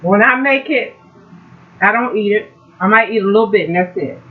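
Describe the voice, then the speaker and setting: Woman cooking and chatting thru each step, normal pitch, kinda muffled home video sound. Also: moderate pace. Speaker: cooking vlog host. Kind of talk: casual cooking chat.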